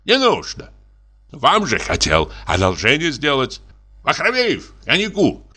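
A man's voice: a little slow, slightly rough, full character voice. A man reading a story aloud, voicing a boastful middle-aged army lieutenant who wheedles and blusters as he pushes a sale. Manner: wheedling, blustering, swinging high and excited.

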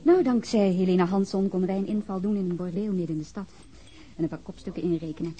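A woman's voice: lowish voice, fast talker, warm tone, breathy edge. An actress playing a friendly, frank policewoman in a Dutch radio drama, informal and teasing.

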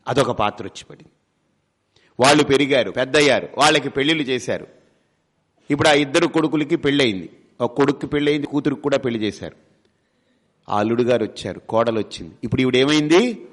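A man giving a spiritual discourse, telling stories animatedly, acting out family members and asking rhetorical questions that he answers himself. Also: mid-range voice. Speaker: spiritual teacher.

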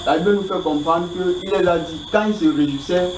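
High-voiced man, echoey and distant. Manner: halting, roundabout, repetitive. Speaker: student asking Bible questions. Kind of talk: informal spoken question. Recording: echoey, distant, noisy pickup.

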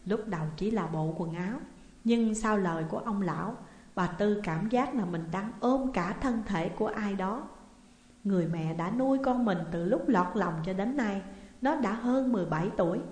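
A woman storyteller giving a steady, dramatic narration of a spooky tale, in a roomy recording with long reverb. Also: medium pitch, normal speed.

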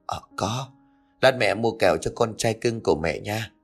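A man voicing a meek, patient young mother who speaks softly and holds back tears. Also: on the low side, normal speed, breathy edge, soft background music. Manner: soft, meek, restrained.

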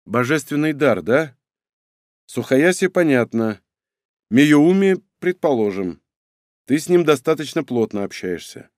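A man reading aloud plays a blunt clan elder who teases and hurries things along. The voice swings lively in pitch and sounds dry and close. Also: measured pace, no room sound, lightly acted. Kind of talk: audiobook reading.

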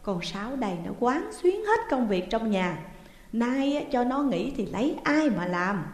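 A calm older man who runs the household, as a woman storyteller plays him, settling quarrels slowly and gently. His voice sits in a roomy space with a long reverb. It is an audio storybook. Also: fairly high pitch, pitched above the performer's own voice. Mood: placating. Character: calm, soothing older male master of the house.

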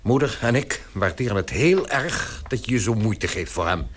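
Man acting domineering middle-aged patriarch, radio play, pompous, widely varied pitch, faint noise. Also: animated, lightly acted. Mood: solemn, halting. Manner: pompous, halting then commanding. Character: stern, domineering father of a grown family. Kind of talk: Dutch radio drama acting.

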